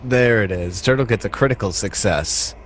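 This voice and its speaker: A man's voice: on the low side, moderate pace, a little hiss or hum, poor audio. A man narrating a tabletop roleplaying game as game master in a casual, conversational way. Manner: informal, conversational.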